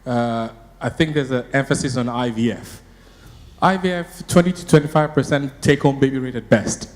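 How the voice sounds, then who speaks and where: A man's voice: medium pitch, moderate pace. A man from Canada in the audience, asking probing questions at a conference. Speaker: audience member. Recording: echoey conference hall.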